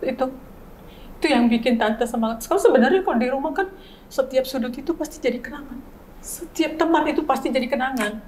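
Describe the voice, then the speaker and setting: A woman's voice: sits high, a little fast, darkish tone, slight background noise, rough recording. A woman in her fifties, a grieving mother, giving an earnest faith testimony in an interview and repeating key phrases for emphasis. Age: 50s. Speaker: bereaved mother, guest.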